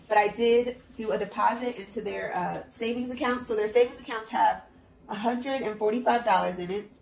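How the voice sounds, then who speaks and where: A woman's voice: a little high, vocal fry, reverberant, slight background noise, rough recording. A woman with a stuffed-up, congested nose chatting in an upbeat way as she counts cash into envelopes at home. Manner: chatty, upbeat, self-encouraging. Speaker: budgeting vlogger. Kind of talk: casual narration while counting cash. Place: at home, at a table. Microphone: hands-only overhead camera, mic off-frame.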